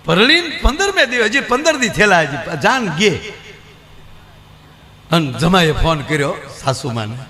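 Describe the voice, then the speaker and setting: A man's voice: high voice, sing-song, moderate pace, pauses often, in a large hall, crowd noise. A man from Gujarat, telling folk comedy stories on a live stage and acting out the voices of the people in his jokes. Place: live stage show before an audience.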